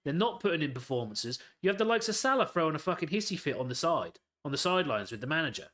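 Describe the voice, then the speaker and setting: Man, watchalong host, bright forceful voice, sweary, exasperated, blunt commentary. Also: a little high, sing-song, fast talker. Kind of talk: live match commentary and rant.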